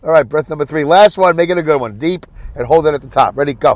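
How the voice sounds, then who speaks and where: Talking fast at a fairly high pitch, this stuffy-nosed man is stuck in traffic as he hosts his own podcast. It's a loose solo monologue, chatty and full of jokes at his own expense.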